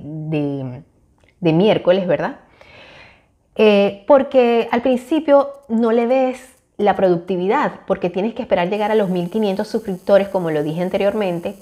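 Earnest woman, warm mellow voice. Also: medium pitch. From Venezuela. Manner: earnest, encouraging, hesitant fillers. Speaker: YouTuber. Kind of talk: casual talk to camera. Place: small room indoors. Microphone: lapel mic.

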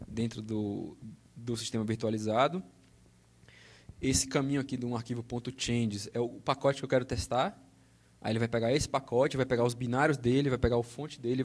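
On a conference auditorium stage, a Brazilian Portuguese-accented man with a mellow, mid-range voice walks through a technical talk and live demo. He goes step by step, pausing frequently to check in, using a handheld microphone before moving to the podium one.

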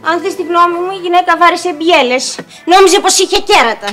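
A sarcastic grown daughter. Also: female voice, very high-pitched, a bit bright, faint music behind. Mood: scolding. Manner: sarcastic, scolding. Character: sharp-tongued young daughter. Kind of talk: TV sitcom acting.

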